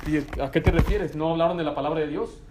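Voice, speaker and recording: A man's voice: fairly high pitch, fast talker, background noise. A young adult man preaching a conversational sermon as pastor, with anecdotes and acted quotes. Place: church sanctuary. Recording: echoey church room with faint ambience.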